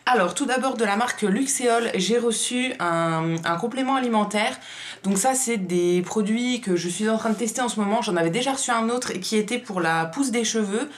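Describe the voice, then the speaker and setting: A woman's voice: a little high, moderate pace. A woman vlogger who has just woken up, chatting casually with a tired morning voice. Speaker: beauty vlogger. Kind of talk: casual vlog chat.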